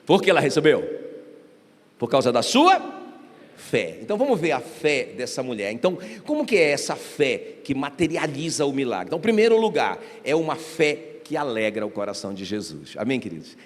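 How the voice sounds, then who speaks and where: A man's voice: mid-range voice, big pitch swings, fairly quick. A man preaching a sermon as pastor, emphatic and often addressing the congregation directly. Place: church hall. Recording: reverberant church hall.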